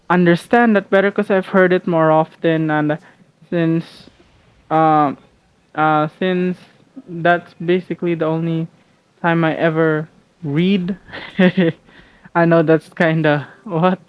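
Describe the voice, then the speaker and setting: A man's voice: a little high, clear, resonant tone, muffled recording. A young man from the Philippines whose first language is Filipino, rambling casually and hesitantly at home with many restarts and fillers. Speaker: vlogger.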